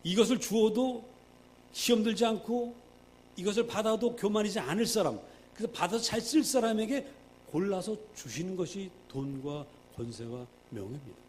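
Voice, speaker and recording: Male pastor, sermon, fairly high voice, emphatic, loud-to-hushed swings, faint background hum. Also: normal speed. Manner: acts out quoted prayers.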